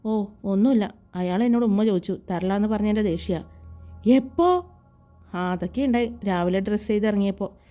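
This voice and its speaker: A woman voicing a playful young female friend of the bride, pouty and quick in a story reading. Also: mid-range voice, mellow, soft background music, pitched below the performer's own voice, close to an everyday voice. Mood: sulky.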